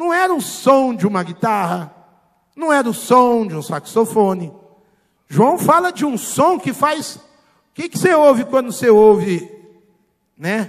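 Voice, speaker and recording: A man with a Brazilian accent speaks at an extremely high pitch, fairly slowly, with long, frequent pauses. His tone is animated and his pitch swings very widely. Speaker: pastor. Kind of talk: sermon. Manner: sometimes shouts, loud.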